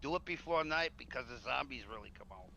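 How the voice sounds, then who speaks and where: A man's voice: mid-range voice, expressive, fast, creaky, bright, forceful tone, lo-fi sound, slight background noise. A man in casual roleplay chat as a trader, talking in a folksy, chatty, friendly way. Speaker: roleplay gamer playing a trader.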